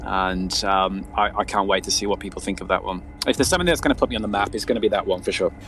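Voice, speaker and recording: A man's voice: sits low, fast, a bit bright, a little hiss or hum. A man speaking as a writer being interviewed, chatting casually in a hesitant, self-effacing way and often repeating his words. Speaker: interviewed guest, fiction writer.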